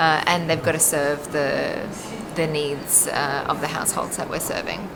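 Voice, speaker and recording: Very deep, low-pitched female voice, monotone and flat in intonation, with noticeable background noise and audible room echo. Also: moderate pace. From Poland (left at age nine). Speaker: nonprofit founder, prize winner. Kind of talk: interview. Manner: hesitant, many fillers.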